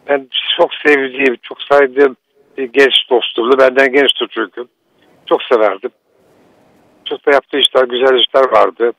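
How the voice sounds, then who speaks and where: A man's voice: medium pitch, a bit bright, no room sound. An older man calling in to a radio show over a phone line, shaken and repeating himself. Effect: radio show caller on a phone line. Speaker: theatre teacher phoning in to a broadcast.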